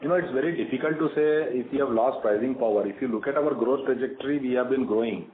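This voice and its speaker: A man with an Indian accent answering investor questions on an earnings call as a company executive, in measured explanations. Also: medium pitch. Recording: phone-like conference line, echoey, clearly noisy.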